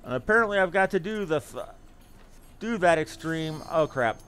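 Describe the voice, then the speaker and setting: A man's voice: a little high, expressive, normal speed, a bit bright, smooth. A man giving casual live commentary as he streams a game, reading on-screen text aloud and swearing mildly.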